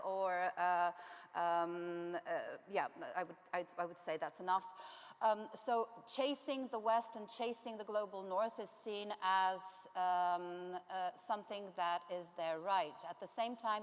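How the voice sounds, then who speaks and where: A woman's voice: medium pitch, fairly bright tone. A woman from Zambia giving a conference talk as a climate campaigner, speaking hesitantly with many ums and uhs. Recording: long reverb of a large hall.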